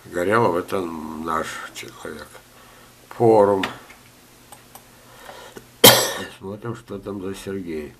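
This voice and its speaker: A man's voice: low voice, slow pace, long pauses, fairly bright tone, a little hiss or hum. An older man, ill and coughing often, reading viewers' letters aloud in a chatty gardening lesson with joking asides. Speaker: gardening teacher. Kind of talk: screen-share talk reading viewer letters.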